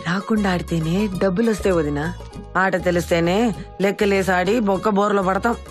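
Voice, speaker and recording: An actress playing a sly, fun-loving, card-playing relative in a Telugu film comedy, with a coaxing manner. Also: female voice, medium pitch, a little fast, faint music behind, lightly acted.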